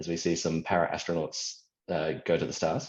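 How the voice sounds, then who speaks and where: Over a quiet background, a man with an Australian accent speaks in a very deep, low pitch. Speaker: space industry business developer. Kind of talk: interview.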